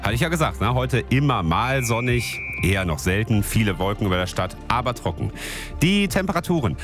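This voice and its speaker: A man's voice: medium pitch, big pitch swings, a little fast. A man presenting weather and traffic on morning radio, chatty and joking. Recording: music bed behind voice. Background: music.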